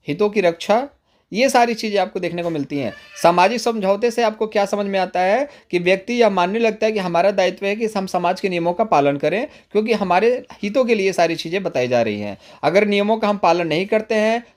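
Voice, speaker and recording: A man teaching an exam-prep lesson, explaining step by step and speaking directly to viewers, often restating points. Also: high-pitched. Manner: repeats and rephrases, addresses viewers directly. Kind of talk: explanatory lecture.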